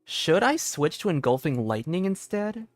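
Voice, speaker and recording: A young man doing casual live game commentary as a streamer, excitable and rambling, often repeating himself. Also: on the high side, normal speed, no echo. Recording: dry close sound with game music.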